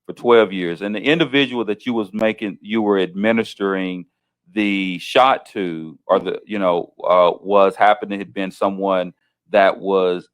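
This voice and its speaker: Halting low-voiced male interviewer. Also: steady tone. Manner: halting, many restarts, leading questions ending in "right?". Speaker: interviewer, host. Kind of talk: interview questioning.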